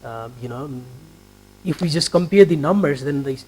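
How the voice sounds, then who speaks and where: A man's voice: fairly high pitch, lively intonation, moderate pace, a little mellow, breathy edge. A man from Nepal with a Nepali accent, politely putting long, wordy questions as a television interviewer. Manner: polite, wordy questions with frequent filler phrases. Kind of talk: formal broadcast interview.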